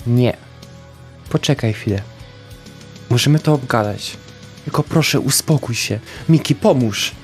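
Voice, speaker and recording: A man player speaking in character in a calm, placating, low-key way. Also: a little slow, long pauses, soft background music.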